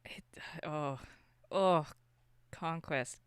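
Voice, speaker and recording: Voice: medium pitch, very slow, a bit bright, smooth, no echo. A podcast co-host chatting casually about films in a slangy, exclamatory way.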